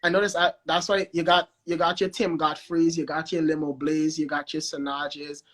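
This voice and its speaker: A man with a Guyanese accent talking as the guest in a casual live-stream interview, animated and repeating himself as he builds his points. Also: fairly high pitch, normal speed. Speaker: guest, record label founder.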